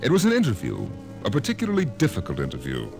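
A man's voice: lowish voice, wildly swooping pitch, fast talker, creaky. A man narrating a scripted 1950s radio drama as announcer, dramatic and portentous. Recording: old radio broadcast with music.

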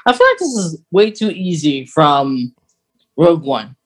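A podcast co-host with a medium-pitched voice talks casually. The delivery is that of a fan discussing a favourite story in relaxed conversation. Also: a little slow.

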